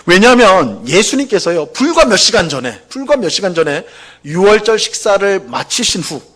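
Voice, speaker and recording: A man's voice: high-pitched, very animated, normal speed, fairly bright tone. A man preaching a Sunday sermon as pastor, asking the congregation questions and acting out the quoted lines. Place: church sanctuary.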